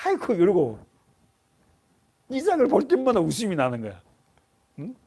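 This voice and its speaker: A male pastor preaches in a church, his fairly high voice swinging widely up and down. He puts questions to the congregation and answers them himself. He also has them read passages aloud. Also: huge pitch swings, a little slow, dark tone, breathy edge. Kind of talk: expository sermon.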